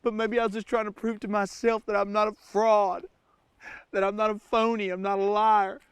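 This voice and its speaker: An actor playing a lost, cold and hungry survival-show star whose confession swings between sobbing and panic. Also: male voice, mid-range voice, fairly even intonation, normal speed, darkish tone, no echo, natural voice. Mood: confessional. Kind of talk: comic monologue acting.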